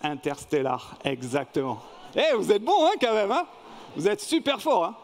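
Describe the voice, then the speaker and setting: A man leading a church service as pastor, running a lively film quiz and asking the congregation questions. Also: high-pitched, moderate pace. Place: church hall. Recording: long reverb in a church hall.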